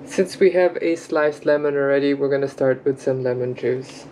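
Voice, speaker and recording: A woman's voice: extremely low pitch, moderate pace, warm tone, slight background noise. A woman casually explaining each step as she cooks lunch in her home kitchen for a vlog. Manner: explains steps plainly, step by step. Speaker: vlogger cooking lunch. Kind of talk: casual cooking vlog voice-over.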